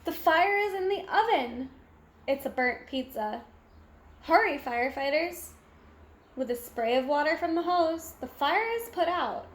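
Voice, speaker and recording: A woman with a high voice reads a picture book aloud for young children. She takes her time and narrates expressively, with animated exclamations. The room around her sounds echoey. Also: measured pace.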